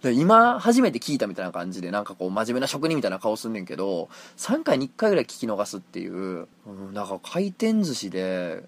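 A man with a Kansai accent talking casually on his own podcast, reading listener mail and often acting out quick exchanges. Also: fairly low pitch. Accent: Kansai Japanese. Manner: animated, jumps into acted quotes. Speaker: podcast host. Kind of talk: casual solo talk radio.

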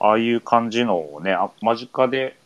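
A man hosting a casual radio chat, easygoing and filling pauses with many hesitation sounds. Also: mid-range voice, lively intonation, muffled recording. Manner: easygoing, leads with many fillers. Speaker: radio show host.

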